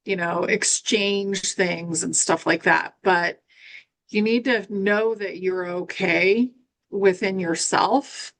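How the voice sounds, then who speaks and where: A woman's voice: mid-range voice, slow, fairly bright tone. A woman co-hosting a casual conversation, speaking in an earnest, easygoing way. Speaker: co-host. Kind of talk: casual chat.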